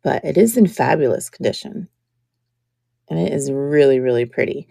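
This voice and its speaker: A woman, hosting a casual live jewelry sale and chatting as she shows each piece, sometimes dropping to a soft whisper. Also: low-pitched, lively intonation, creaky, breathy edge, dry recording, studio quality. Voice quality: scratchy. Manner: slow, chatty, drops to soft whispers while showing pieces. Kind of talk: casual live-stream selling chat.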